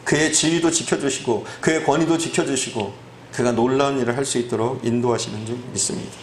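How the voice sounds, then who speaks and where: Korean pastor preaching in an echoey hall. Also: male voice, mid-range voice, fast, slight background noise. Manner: preaching with acted prayers and quotes, rising emphatic questions. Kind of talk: sermon.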